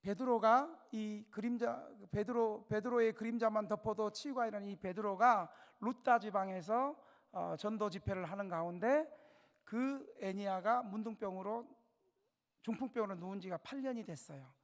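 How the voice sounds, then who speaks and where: A man's voice: high voice, normal speed. A man preaching a dramatic revival sermon in a reverberant church. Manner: dramatic storytelling, swinging between hushed and loud; questions the congregation directly. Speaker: pastor. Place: church sanctuary.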